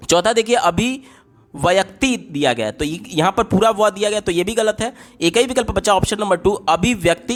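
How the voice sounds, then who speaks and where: A man working through exam questions one by one, explaining each option step by step in a steady teaching voice. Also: high voice. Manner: explains step by step, often repeating "ye galat ho gaya". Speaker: exam tutor. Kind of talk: exam paper walkthrough.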